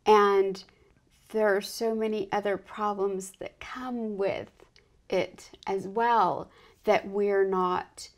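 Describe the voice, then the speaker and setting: A woman's voice: mid-range voice, fairly even intonation, slow pace. A woman hosting an interview, speaking earnestly and agreeing with emphasis. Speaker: host. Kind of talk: conversational interview.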